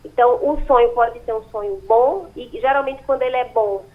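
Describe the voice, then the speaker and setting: A woman's voice: fairly high pitch, fairly quick. Woman on a muffled landline phone. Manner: explanatory, hesitant fillers. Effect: over a landline phone. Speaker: neurologist guest on phone. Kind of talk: radio interview answers.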